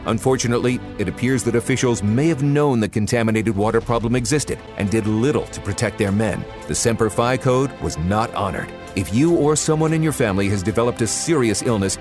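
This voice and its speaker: Man, radio ad read, earnest and grave, mid pitch, music bed. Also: a little fast, few pauses. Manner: earnest, serious. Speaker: ad announcer.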